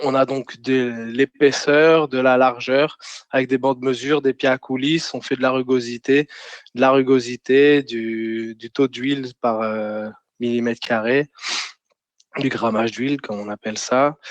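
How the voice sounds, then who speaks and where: A man's medium-pitched voice with an Alsatian accent, fairly slow and monotone, flat in intonation, in a dry, close sound with no echo. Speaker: metrology manager at an industrial plant. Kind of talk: webinar presentation. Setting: online webinar. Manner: hesitant, many fillers.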